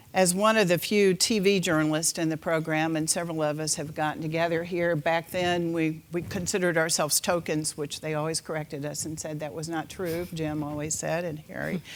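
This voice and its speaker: Captured in a very clean recording with a silent background, an ordinary speaking voice moves at a fairly quick pace with fairly even intonation and hardly any pauses. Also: woman, fairly low pitch for a woman. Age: 60s. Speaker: retired TV journalist. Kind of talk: panel talk.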